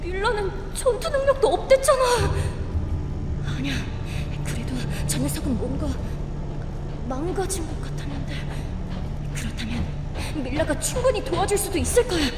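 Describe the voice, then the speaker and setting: A woman playing an anxious, eager young human survivor in an audio drama, hesitant and expressive. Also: extremely high pitch, moderate pace. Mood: frightened, urgent. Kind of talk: Korean audio drama acting. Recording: faint background noise.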